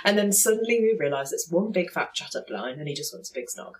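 A woman's voice: on the low side, fast talker. A woman, a priest co-hosting a podcast, telling a story in casual chat and acting out the dialogue. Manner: animated storyteller, acts out dialogue.

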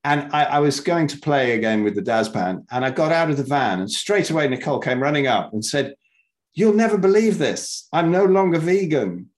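A man's voice: a little high, animated, moderate pace. A man hosting a podcast interview, talking casually and rambling, with frequent repeated words and restarts. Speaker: podcast host.

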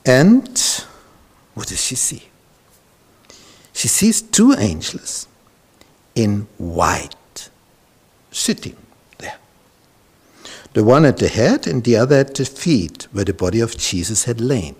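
A man's voice: medium pitch, big pitch swings, darkish tone, slightly rough. A male pastor preaching a sermon, telling the Bible story dramatically and sometimes dropping to a whisper. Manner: slow, dramatic, drops to whispers when retelling scripture.

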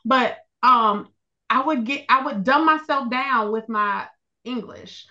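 A woman with an African American accent tinged with the South speaks candidly in a casual discussion. Her voice is bright and mid-pitched. The recording is slightly dull and lo-fi. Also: takes it slowly. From US Midwest, later moved to the South.

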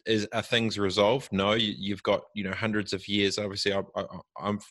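Low-voiced New Zealand man in dry sound. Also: flat delivery, moderate pace, fairly bright tone, no echo. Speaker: interview guest. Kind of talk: casual reflective conversation.

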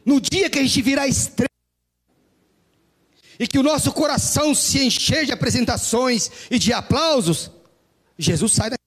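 High-pitched husky preacher. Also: male voice, a bit bright. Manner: emphatic, drawn-out stressed words. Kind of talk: sermon.

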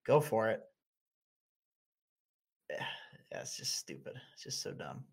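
A man's voice: on the low side, big pitch swings, takes it slowly, darkish tone, breathy edge. Male streamer, young adult, blunt casual talk, frequent restarts. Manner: blunt, laughs often, restarts words.

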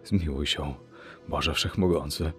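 Male reader as elderly lawyer, low and grave, earnest. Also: big pitch swings, measured pace, faint music behind, heavily acted. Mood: dismayed.

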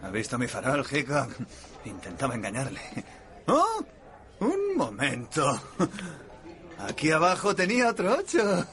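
An actor in a dubbed TV drama playing a nervous card player who gets excited and boastful. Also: male voice, on the high side, measured pace, long pauses, heavily acted.

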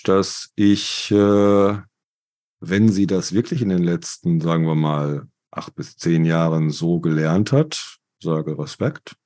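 A man co-hosting a podcast discussion, talking in a measured way with frequent fillers. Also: low-pitched, a little mellow. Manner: slow, measured, with many fillers. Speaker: podcast co-host.

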